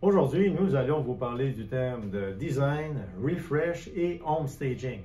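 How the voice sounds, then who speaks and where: A male interview host with a Quebec French accent and a mid-range pitch. He speaks conversationally, restating points and asking short questions, in a roomy, echoing space with background noise. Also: lively intonation, a little slow, dark tone. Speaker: host, renovation contractor interviewing a guest.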